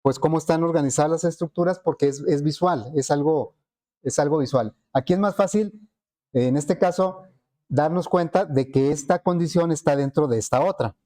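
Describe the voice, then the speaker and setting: Hombre profesor de programación, voz cálida. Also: male voice, on the high side, normal speed, dark tone. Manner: explanatory, frequent rhetorical questions to students. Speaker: programming teacher. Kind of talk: classroom lecture.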